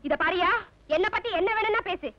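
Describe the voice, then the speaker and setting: An actress playing a sharp-tongued wife who scolds her policeman husband, on a dull old film soundtrack. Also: a little fast, soft background music. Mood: scolding. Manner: shrill, scolding. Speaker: quarrelling wife. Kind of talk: Tamil film comedy acting.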